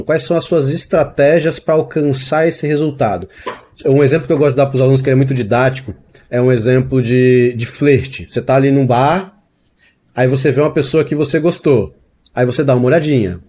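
Relaxed Brazilian-style chatty man, mellow tone. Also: mid-range voice. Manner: chatty, explains with examples, many "né?" tags. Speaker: acting teacher and course creator. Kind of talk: casual podcast interview.

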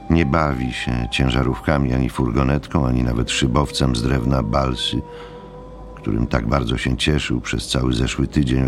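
A man with a deep gravelly voice narrating a scripted audiobook story.

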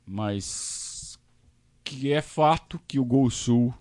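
A Brazilian man hosting a casual live stream, talking to his audience in an animated, ranting way. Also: mid-range voice, extremely slow. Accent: Brazilian Portuguese. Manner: animated, talks to the audience, rants and self-questions. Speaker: podcast host reading superchats. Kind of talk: casual live-stream chat about football.

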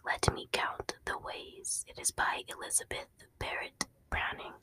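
A woman hosting an ASMR channel, reading poems in a soft, unhurried whisper and occasionally stumbling over words.

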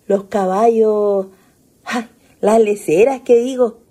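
A woman's voice: medium pitch, fairly even intonation, slow pace, warm tone. A woman with a Chilean accent playing a shy, flustered young country ghost in a radio drama, hesitant and naive.

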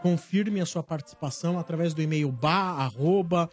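High-voiced male radio host. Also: normal speed. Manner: upbeat promo reading. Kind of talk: radio call-in segment.

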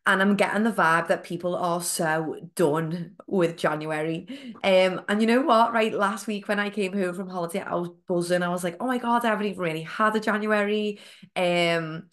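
A woman's voice: fairly low pitch, normal speed. A young woman hosting her fitness podcast, talking in a chatty, encouraging way with frequent ums and likes. Her voice sounds nasal and blocked up from a cold. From United Kingdom. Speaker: podcast host, fitness coach. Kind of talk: casual solo podcast talk.

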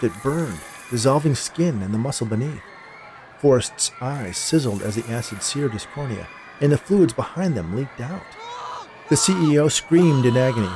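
A man's voice: mid-range voice, a little mellow, slight background noise. A man narrating a scripted short story as the storyteller. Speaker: writer and narrator of a fiction podcast.

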